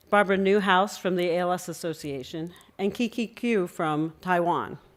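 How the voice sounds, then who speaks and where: This is a plain, everyday voice. A woman at a medium pitch, with ordinary pitch variation, speaks at a moderate pace in a very clean recording with a silent background. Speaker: council chair at a conference. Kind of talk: conference presentation.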